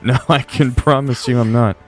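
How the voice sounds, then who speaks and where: A man's voice: medium pitch, steady tone, moderate pace, faint music behind. A man in his forties chatting casually on a livestream, reading viewers' messages aloud and answering them in a rambling way. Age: 40s.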